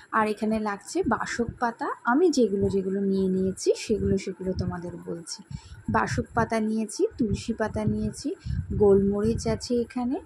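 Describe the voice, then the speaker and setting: A woman's voice: medium pitch, noisy background. A woman hosting a cooking channel, giving a home remedy tutorial and talking straight to her viewers in a friendly way. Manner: friendly, addresses viewers directly.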